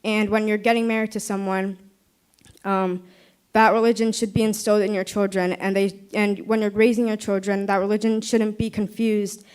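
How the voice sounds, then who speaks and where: A woman's voice: medium pitch, little pitch movement, normal speed, a little mellow, clean tone. A young woman, a student, earnestly giving her opinion at a youth dialogue in repetitive, searching phrases.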